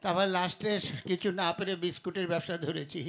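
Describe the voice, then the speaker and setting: A woman's voice: fairly low pitch, fairly even intonation, fairly quick, creaky, music in the background, voice pushed down. A woman voicing a stingy middle-aged male trader who whines and laments over lost money in a puppet-show cartoon. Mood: lamenting. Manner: whining, self-pitying lament.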